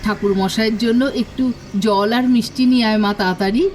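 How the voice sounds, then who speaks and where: A woman's voice: mid-range voice, fairly even intonation, brisk, darkish tone, slight background noise, close to an everyday voice. A woman playing a caring, hospitable middle-aged mother in a dramatic audio story. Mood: bustling welcome.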